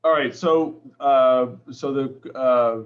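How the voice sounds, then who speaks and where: A man with a Boston-area accent speaking at a town commission meeting, halting with many fillers. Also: medium pitch, fairly even intonation. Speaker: commission member. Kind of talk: casual meeting talk. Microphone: video call. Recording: muffled video call audio.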